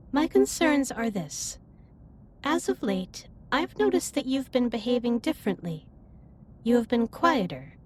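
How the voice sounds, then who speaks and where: A woman performs a female alien starship captain with a fairly high voice. She speaks formally and precisely, with earnest care, in an intimate sci-fi audio drama. There is clear ambient noise behind her. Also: darkish tone, natural voice. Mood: concerned, serious. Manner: formal, precise, stilted wording with measured delivery. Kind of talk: scripted roleplay audio drama, intimate one-sided dialogue.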